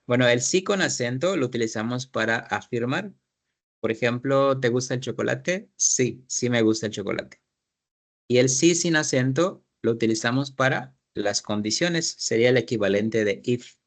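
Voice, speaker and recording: A man's voice: medium pitch, animated, moderate pace. A man teaching an English class, explaining grammar in Spanish, repeating his students' sentences and asking guiding questions.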